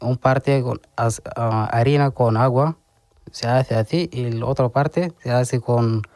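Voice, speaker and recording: A man from Sudan speaks, slow to find his words and often restarting. His tone is soft and mellow, heard close and dry in a radio studio. He answers a host's questions in a radio interview. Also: mid-range voice, no echo. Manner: hesitant, halting, searching for words. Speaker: interview guest.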